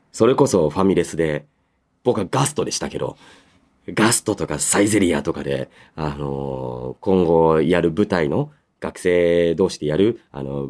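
Lively, expressive male radio host. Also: low voice. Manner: polite but casual, musing to himself. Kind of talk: solo radio talk, reading listener mail with chatty asides.

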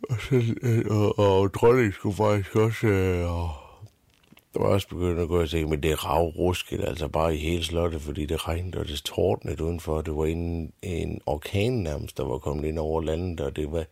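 A Danish man with a very low, gravelly voice retells a fairy tale as a bedtime story. He rambles, swears and restarts his sentences constantly. The sound is close and dry. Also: darkish tone, dry recording. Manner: crude, swearing, full of fillers and restarts.

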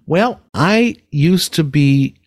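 In a clean studio recording with no room sound, an older musical director and speech therapist answers interview questions slowly. His nasal voice sits on the high side, expressive and a little mellow, as he tells stories with both enthusiasm and reflection.

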